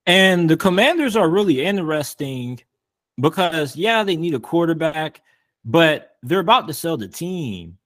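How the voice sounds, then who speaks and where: A man's voice: a little high, very animated, unhurried, fairly bright tone, dry recording, studio quality. A man hosting a sports podcast, chatting in a laid-back, slangy way. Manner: laid-back, slangy, says "you feel me". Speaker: podcast host. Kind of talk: casual podcast chat.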